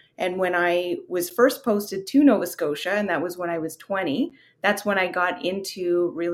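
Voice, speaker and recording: A woman speaks with a plain, everyday voice at a medium pitch. Her pace is moderate and her pitch variation ordinary. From Canada, military family. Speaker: real estate investor. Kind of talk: interview.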